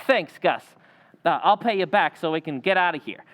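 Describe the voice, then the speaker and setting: A man acts a broke young fellow on a date in an old-time radio play. He is high-pitched, evasive and slangy, with hesitations. A long hall reverb hangs on the voice. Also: lively intonation, normal speed, a bit bright. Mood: nervous, evasive. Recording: reverberant hall stage recording.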